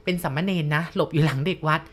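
Brief: woman storyteller, low voice, polite, speaks to the listeners directly. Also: fast. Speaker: ghost story narrator. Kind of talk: narrated ghost story for listeners.

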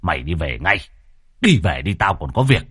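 A stubborn, gruff village man waves away ghost talk, voiced by a male storyteller. His voice sits low and curt, with lively pitch swings. The sound is close and dry. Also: moderate pace, dry recording, heavily acted. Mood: dismissive. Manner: gruff, dismissive, scolding.

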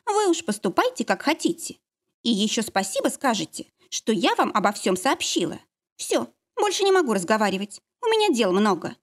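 Woman reading as a cold, pushy ex-wife, high and sharp, storybook role. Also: sing-song, a little fast. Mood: cold, insistent. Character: curt, cold, haughty ex-wife, adult woman.

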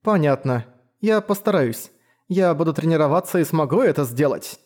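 A woman's voice: deep voice, expressive, moderate pace, a little mellow. A man voicing a shy, timid young female apprentice warrior who hesitates and stammers.

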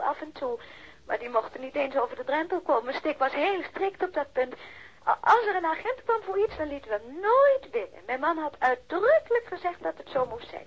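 An actress playing a guarded middle-aged policeman's widow in a radio drama, answering haltingly and reticently. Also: extremely high pitch, lo-fi sound. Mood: firm, defensive. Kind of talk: naturalistic radio drama acting.

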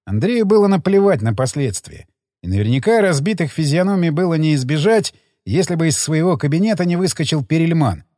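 Man narrating an animated audiobook. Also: a little high, a little fast, no room sound, clean studio sound. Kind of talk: expressive scripted narration.

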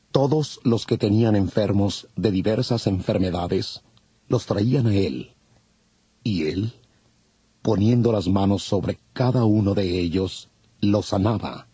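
A man narrating a dramatized audio Bible in a measured, formal way. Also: on the low side, dark tone, husky, dry recording.

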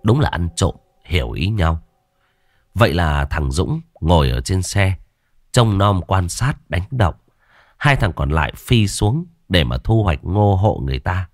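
A man narrating a horror story in a lively, expressive way. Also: sits low, unhurried, no echo, clean studio sound.

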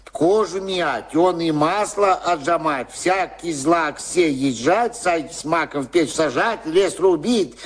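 An actor playing a riddling hermit sage in a folk-tale radio play, with singsong, repetitive verse. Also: male voice, fairly high pitch.

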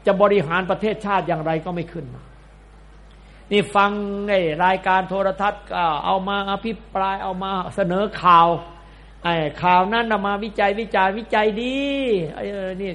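Monk guy giving a talk, pretty high voice, blunt and scolding, real casual wording. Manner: blunt, colloquial, scolding preaching. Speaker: Buddhist monk. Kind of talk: sermon.

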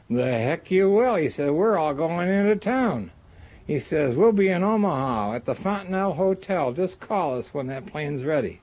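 A man's voice: on the high side, animated, a little slow, darkish tone, highs cut off. An older man with an American accent, a war veteran telling anecdotes in an interview.

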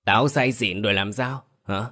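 A man's voice: on the low side, animated, normal speed, sharp tone, slightly rough, full character voice. A man voicing a furious drunken husband who roars threats in a slurred voice. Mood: slurred angry.

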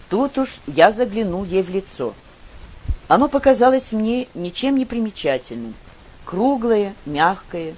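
A woman reading a novel aloud as a measured, expressive storyteller, narrating in first person. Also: fairly low pitch, rough recording. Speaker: audiobook reader. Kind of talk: literary audiobook narration.

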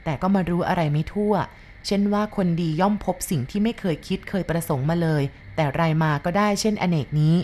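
A woman's voice: lowish voice, a little fast, a little mellow, a little hiss or hum, lightly acted. A woman voicing a kind-hearted husband who speaks earnestly and with urgency. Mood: earnest, urgent.

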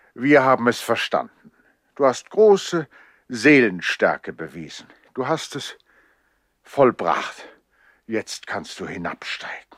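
An actor playing an aging man who pleads earnestly and gently in a 1960s German radio play. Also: lowish voice, no room sound, studio quality, exaggerated voice.

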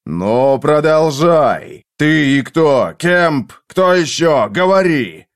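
A man's voice: on the high side, lively intonation, voice pushed up. A man doing a brutal, menacing avenger. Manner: harsh, menacing, slow and pressing.

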